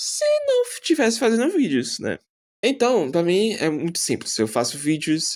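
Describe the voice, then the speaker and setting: A man in a Brazilian accent speaks at a moderate pace, his pitch swinging very widely. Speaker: YouTuber and amateur voice dubber. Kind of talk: casual monologue vlog. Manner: halting.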